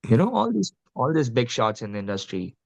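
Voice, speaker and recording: A man's voice: medium pitch, sing-song, fairly quick, gravelly, darkish tone, highs cut off. A young man with an Indian Punjabi accent, a guest musician talking earnestly and casually, with lots of "you know" and "like". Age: young adult. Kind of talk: casual interview talk.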